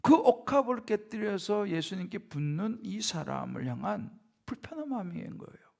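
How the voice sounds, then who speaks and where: Lively high-voiced male pastor preaching. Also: moderate pace, gravelly. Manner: conversational preaching, frequent rhetorical questions. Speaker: senior pastor. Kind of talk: sermon. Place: church sanctuary.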